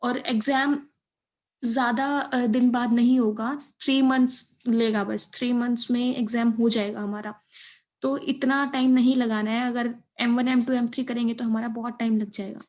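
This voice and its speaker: Young woman, Indian accent, high voice, very level intonation, informal study-advice presenter, explanatory. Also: fairly even intonation, normal speed, a little mellow. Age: young adult. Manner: explanatory, mixes in English terms. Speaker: exam preparation video presenter.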